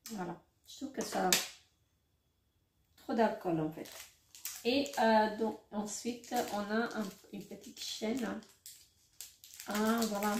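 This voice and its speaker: A woman's voice: mid-range voice, a little mellow. A middle-aged woman vlogger unboxing beauty products in a casual, hesitant way, with many fillers and self-corrections. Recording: roomy echo, faint noise.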